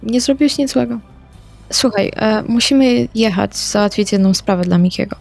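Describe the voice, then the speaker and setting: A woman speaking in character in a tabletop roleplaying game, calm and brief. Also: mid-range voice, moderate pace, creaky, soft background music. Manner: calm, short replies with spoken actions. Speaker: player.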